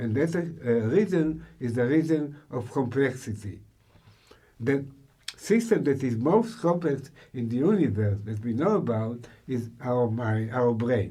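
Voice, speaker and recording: Lively in intonation, a man speaks with a dark, mellow tone that is somewhat breathy. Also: medium pitch for a man. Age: 80s+. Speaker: physicist. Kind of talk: interview answer.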